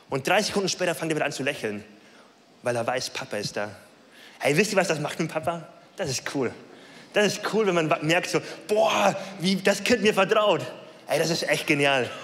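A young man preaching a sermon with passion, switching between loud emphatic calls and soft low lines, in casual, youthful speech. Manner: casual, youthful slang and laughs. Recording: long hall reverb.

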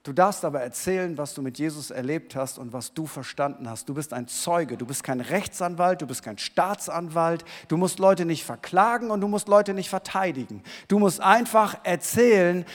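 A pastor preaching a sermon in a church hall, moving between quiet talk and loud, shouted emphasis. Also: male voice, sits high, normal speed, hardly any pauses. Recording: long reverb of a church hall.

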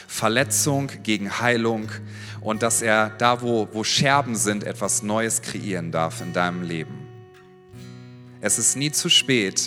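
A man preaching a sermon and praying over the congregation, earnest and pleading, his voice rising into fervent prayer. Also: mid-range voice. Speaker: pastor. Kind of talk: sermon with altar-call prayer. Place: church service in a large room. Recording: church hall reverb with soft guitar.

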